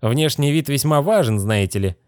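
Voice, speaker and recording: A man's voice: medium pitch, expressive, moderate pace, darkish tone, no room sound, studio quality, pitched above the performer's own voice, lightly acted. A man voicing a vain, cold young male magician in a haughty, condescending manner. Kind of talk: audiobook character reading.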